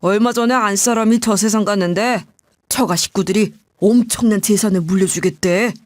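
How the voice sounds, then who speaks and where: A woman voicing a grieving, grateful middle-aged man who speaks softly and from the heart. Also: mid-range voice, normal speed, no room sound, clean studio sound, close to an everyday voice. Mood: heartfelt.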